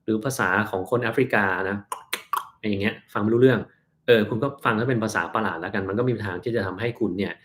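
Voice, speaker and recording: With a fairly low voice, a male doctor handles viewers' health queries on a live stream, reading them aloud and answering in a plain, laid-back style that slows down for explanations of terms.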